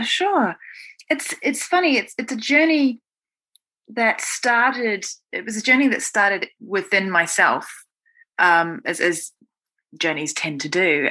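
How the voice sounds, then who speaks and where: A woman's voice: mid-range voice, sharp tone. A woman with a New Zealand accent, telling her own story conversationally as an interview guest. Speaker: guest, writer.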